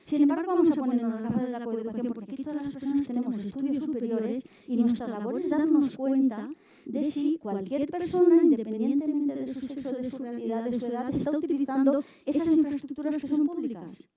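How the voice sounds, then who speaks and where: A woman's voice: high-pitched, a little fast, dark tone. A woman lecturing a summer course class, explaining her points directly to the students and checking that they follow. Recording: voice from far off the mic.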